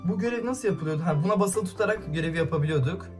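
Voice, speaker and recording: A man's voice: sits high, racing, darkish tone, faint music behind. A man giving gameplay commentary to his viewers, irritated and ranting, hurling insults at another player. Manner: talks straight to viewers. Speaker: gaming YouTuber.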